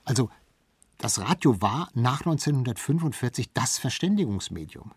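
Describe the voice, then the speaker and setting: Husky-voiced man explaining in an interview. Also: mid-range voice, big pitch swings, normal speed, no room sound. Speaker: interview guest, expert on radio history. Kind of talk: conversational expert interview.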